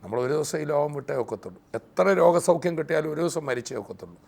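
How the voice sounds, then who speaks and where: A man who hosts a Christian TV program leads a fervent prayer for healing, his declarations rising loud and emphatic, then gives a closing message. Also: fairly high pitch, animated, fast talker, gravelly. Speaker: TV program host and preacher.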